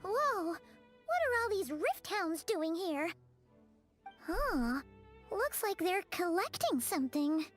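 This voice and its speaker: A woman voicing a tiny childlike fairy companion in an anime game, excitable, nosy and chatty, with a squeaky voice. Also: slow, faint music behind, heavily acted. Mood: puzzled. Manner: talks of herself in third person, chatty. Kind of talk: scripted anime game voice acting.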